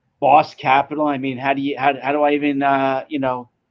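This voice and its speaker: In a New York accent, the speaker keeps a moderate pace and a monotone, flat intonation. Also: man. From New York, USA. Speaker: investor, family office executive. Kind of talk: panel discussion.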